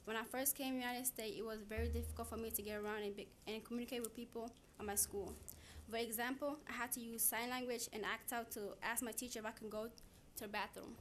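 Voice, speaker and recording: Teen girl giving a speech, highish voice, a bit of room hiss. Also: steady tone, quick pace. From Somalia. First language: Somali. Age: teens. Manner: earnest, repeats herself when stuck. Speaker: student speaker. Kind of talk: prepared speech. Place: city hall chamber.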